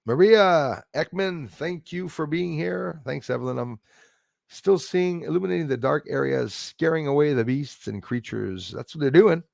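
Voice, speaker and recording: A man in his forties with a Canadian accent, hosting a casual livestream in a rambling, halting way as he responds to viewers. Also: a little high, gravelly, darkish tone, dry recording, studio quality. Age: 40s. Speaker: livestream host. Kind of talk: casual live chat, reacting to viewer comments.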